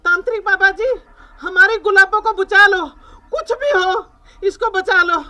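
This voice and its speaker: A woman's voice: very high voice, a little slow, pushed and bright, heavily acted. An actress playing a worried old mother who anxiously begs the exorcist to save her daughter. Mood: pleading. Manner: begging, anxious.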